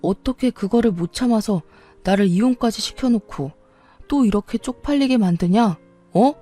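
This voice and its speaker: A woman's voice: on the high side, moderate pace, dark tone, soft background music, close to an everyday voice. A woman voicing a young husband who begs and cries in a storybook tale. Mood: angry tearful. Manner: tearful pleading. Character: young husband, desperate and pleading.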